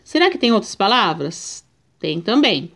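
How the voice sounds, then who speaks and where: A Brazilian woman teacher speaks to young pupils in a recorded literacy lesson, sounding out words syllable by syllable. Her pace is slow and patient, her pitch in a middle range. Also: sing-song, gravelly, a bit bright. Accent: Brazilian Portuguese. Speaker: primary school teacher.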